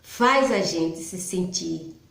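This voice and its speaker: A woman's voice: fairly low pitch, animated, takes it slowly, gravelly. Echoey woman explaining conversationally. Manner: conversational, personal, with frequent "então" restarts. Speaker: psychology channel host. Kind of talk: informal explanatory talk.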